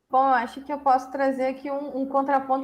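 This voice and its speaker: The voice belongs to a woman and is high-pitched. She speaks at a moderate pace. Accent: Rio Grande do Sul. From southern Brazil, Rio Grande do Sul. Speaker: software developer. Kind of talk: panel discussion.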